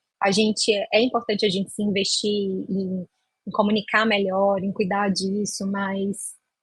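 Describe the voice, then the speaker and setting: In a strong Minas Gerais accent, the speaker talks at a fairly slow pace in a somewhat breathy voice. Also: woman. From Brazil, Minas Gerais. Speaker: career specialist. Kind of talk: live webinar talk. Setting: live stream.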